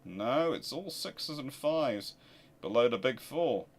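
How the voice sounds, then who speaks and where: A man with a mid-pitched voice talks casually as the host of a live question-and-answer session. He speaks emphatically and makes his points by posing rhetorical questions. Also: lively intonation, slow pace. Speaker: host of a naval history channel.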